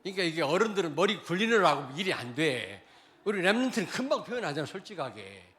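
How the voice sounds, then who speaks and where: A man delivering a sermon in a church in a fairly high voice. He preaches conversationally, throwing out rhetorical questions. He swings between loud outbursts and hushed, almost muttered asides. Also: big pitch swings, fast talker. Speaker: pastor. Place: church sanctuary.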